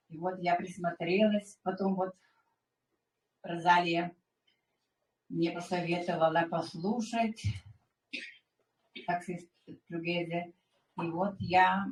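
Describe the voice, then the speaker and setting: Woman in her sixties, heard from afar. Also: on the low side. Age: 60s. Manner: chatty, with frequent "aha" fillers. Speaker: attendee giving a testimonial. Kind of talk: personal testimonial at a meeting. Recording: echoey room, distant mic.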